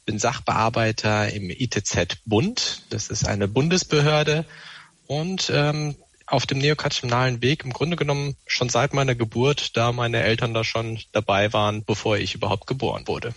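A man's voice: mid-range voice, moderate pace, fairly bright tone, dry recording. A man in his late twenties introducing himself plainly for a radio piece. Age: 20s.

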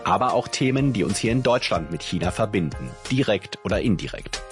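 Male promo read, low and earnest, music bed clearly audible. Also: expressive, a little fast. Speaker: promo speaker. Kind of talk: scripted podcast promo.

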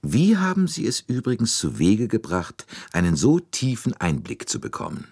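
A man's voice: lowish voice, huge pitch swings, moderate pace, a little mellow, slightly rough, pitched above the performer's own voice, heavily acted. A man voicing a brash American detective who drawls and speaks bluntly.

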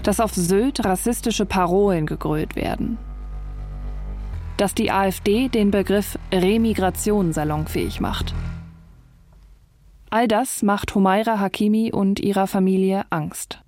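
A woman narrates a documentary report in a middle-pitched voice. Her delivery is calm and measured, as if reading a script. Quiet music runs behind her. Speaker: journalist narrator. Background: faint music.

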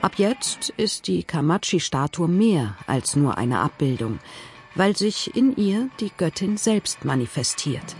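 A man reading documentary narration in a clear, informative way. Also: fairly high pitch, very animated, a little slow, faint music behind. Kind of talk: scripted narration.

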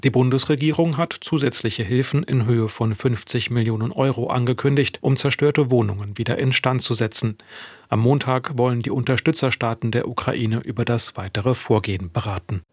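A man reading a radio news report in a measured, formal way. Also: mid-range voice, darkish tone, no room sound, clean studio sound. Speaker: news correspondent. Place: radio studio.

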